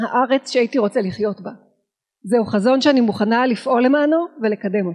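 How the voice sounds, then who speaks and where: A woman with a high-pitched voice and ordinary pitch variation talks against a quiet background. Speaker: movement activist. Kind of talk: speech. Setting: stage with audience. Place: hall. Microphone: handheld.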